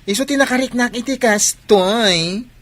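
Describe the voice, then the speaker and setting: A man's voice: very high-pitched, unhurried, fairly bright tone, no echo. A man playing an effeminate, flamboyant gay son with an Ilocano accent in a comedy radio drama, given to campy exclamations. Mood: defensive.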